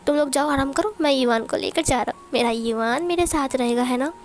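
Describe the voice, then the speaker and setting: A woman's voice: high-pitched, a little fast, lightly acted. A woman voicing a bossy, doting royal grandmother who fusses over her grandson.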